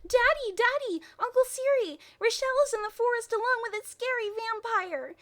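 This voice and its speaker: A woman voicing a frightened, hysterical young girl from a story, shouting and pleading. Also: very high-pitched, normal speed, pitched above the performer's own voice.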